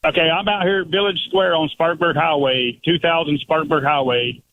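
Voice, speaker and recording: A man calling into a radio show on a phone line that keeps breaking up and cutting in and out, talking in a shaken, halting way. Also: fairly high pitch, fairly even intonation, slight background noise. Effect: phone call breaking up, cutting in and out. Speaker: caller.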